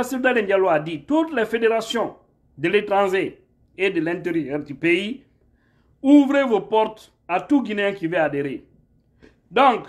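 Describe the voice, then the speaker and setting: A man, giving an impassioned political monologue to a phone camera at home, emphatic and rhetorical, often asking "hein?". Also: high voice. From Guinea. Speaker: political commentator. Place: indoor room at home. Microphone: phone camera held at arm's length.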